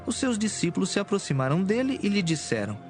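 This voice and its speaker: Higher-pitched man narrating scripture solemnly. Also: very animated, fast. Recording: music behind.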